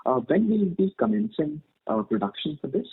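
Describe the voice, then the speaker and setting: A man's voice: high voice, big pitch swings, a little fast, vocal fry, breathy edge. A man with an Indian accent, an investor politely and hesitantly putting questions on an earnings call. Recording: muffled narrowband phone line.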